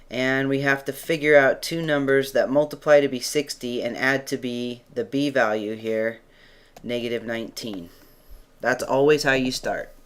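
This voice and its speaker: Fairly even intonation marks this man's speech at a medium pitch. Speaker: math teacher. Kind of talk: tutorial. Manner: fast; casual.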